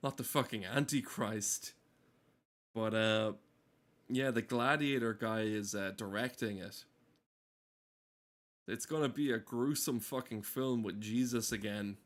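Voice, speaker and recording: A man giving casual, rambling gameplay commentary in a sardonic, exasperated and sweary way. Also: on the low side. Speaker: game streamer.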